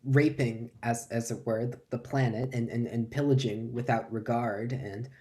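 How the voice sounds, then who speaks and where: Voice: mid-range voice, steady tone, normal speed, dark tone, natural voice. A performer playing a flustered, forgetful lecturer who stammers and repeats words through a comic stage monologue. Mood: hesitant, earnest.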